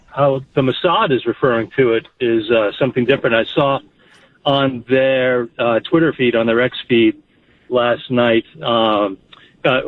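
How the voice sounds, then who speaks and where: A man calling in to a radio show, halting and full of fillers, chuckling as he talks. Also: medium pitch, no echo. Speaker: caller. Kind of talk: phone-in caller chat. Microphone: telephone. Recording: muffled phone line.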